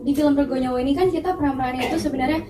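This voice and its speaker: A young woman from Jakarta, an actress chatting at a press conference, talkative and quick to laugh. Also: high-pitched, steady tone. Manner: chatty, laughs between words. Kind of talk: casual chat. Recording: roomy, distant mic, crowd behind.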